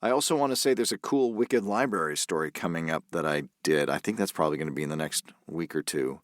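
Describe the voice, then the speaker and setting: A man's voice: a bass voice, fast talker, no echo, clean studio sound. A man who is a voice actor, a guest on a podcast, talking in an easygoing, rambling way. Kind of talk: casual podcast interview.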